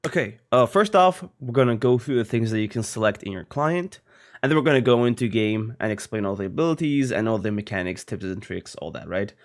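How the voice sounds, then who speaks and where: A young man with a lowish, expressive voice, sounding a little sick, talks slightly fast while casually explaining a video game strategy in a guide. As a gaming content creator, he drops lots of fillers and keeps asking "right?".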